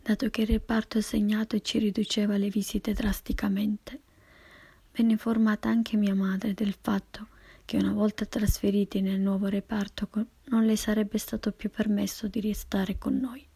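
A woman reading a personal memoir aloud in whispered narration, hushed and measured throughout. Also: mid-range voice, little pitch movement, slightly rough, no room sound.

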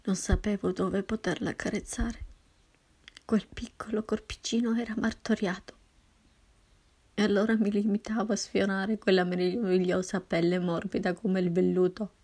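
Woman narrator, whispered first-person narration, airy and husky with a gravelly rasp. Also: medium pitch, little pitch movement, moderate pace. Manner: hushed, breathy whisper.

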